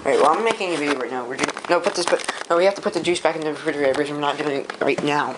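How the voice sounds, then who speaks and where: A young person filming a casual vlog in a home kitchen, bossy and giggly, talking into a handheld camera. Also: female voice, sits low, rapid-fire. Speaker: vlogger filming friends. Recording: noisy handheld camera audio.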